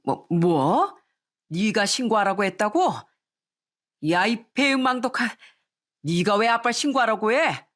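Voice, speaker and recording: A woman's voice: mid-range voice, animated, unhurried, long pauses. A woman voicing a pompous, hot-tempered middle-aged father-in-law in a radio story. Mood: furious. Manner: bossy, blustering, shouting.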